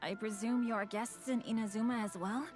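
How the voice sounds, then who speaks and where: A polite, bookish young gentleman of a video game , voiced by a woman, speaks in a boyish voice. The phrasing is formal and refined, with some music behind it. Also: a little high, fairly even intonation, normal speed, lightly acted. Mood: courteous.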